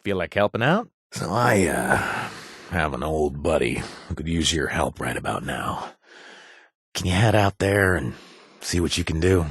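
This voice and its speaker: A sly, affectionate wasteland rogue from a video game. His husky voice swings widely in pitch as he coaxes and teases in a hesitant, conversational drawl. The sound is dry and close. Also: expressive, measured pace, dry recording, full character voice. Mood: flirtatious, coaxing. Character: roguish flirtatious male wasteland companion, sly and affectionate. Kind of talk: video game companion dialogue.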